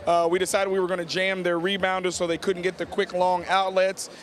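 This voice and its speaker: A middle-aged American man, a high school basketball coach, answers questions in a postgame interview on the court of a large indoor arena. His voice sits high and his delivery is completely flat and a little fast. A reporter holds a handheld microphone up to him.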